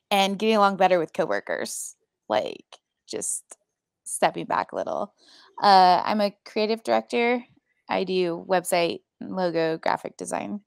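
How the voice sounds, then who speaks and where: A woman with a lowish, smooth voice chats casually on a group video call. Her talk is wry and relaxed. The sound is dry and close. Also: no echo. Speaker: guest.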